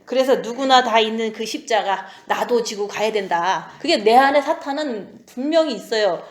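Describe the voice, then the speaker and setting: A woman in her forties preaches in a loose, conversational way, often checking in with her listeners. Her voice sits a bit high, and it carries with a roomy echo around it. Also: animated, moderate pace. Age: 40s. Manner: conversational, keeps asking the audience "right?". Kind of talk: sermon.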